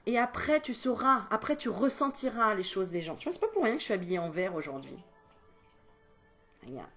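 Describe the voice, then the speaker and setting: A woman's voice: medium pitch, fairly bright tone. A woman energy healer chatting through spiritual advice at home, digressing often and adding joking asides. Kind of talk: casual spiritual advice vlog.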